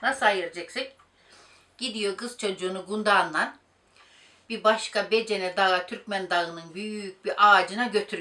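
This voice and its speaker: Speaking at a moderate pace, a woman with a bright, sharp tone and medium pitch keeps her intonation fairly even while her loudness swings widely. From Central Anatolia, Turkey. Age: old. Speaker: village storyteller grandmother. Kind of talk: folk tale telling.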